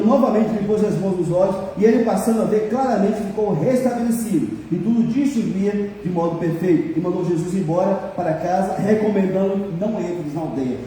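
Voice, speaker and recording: Echoey preaching Brazilian man, high voice. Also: warm tone, slight background noise. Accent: Brazilian Portuguese. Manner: conversational preaching, frequent call-and-response "amém?". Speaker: pastor. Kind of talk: sermon. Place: church hall. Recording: far from the mic in a very echoey church hall.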